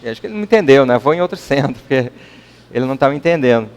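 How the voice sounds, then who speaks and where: A man with a Brazilian accent gives an informal talk to a gathering at a spiritist center. His voice is middle-pitched and carries a long reverb from the meeting hall. He speaks conversationally and often checks in with a questioning tag. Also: animated, racing. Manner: conversational, keeps adding questioning tags.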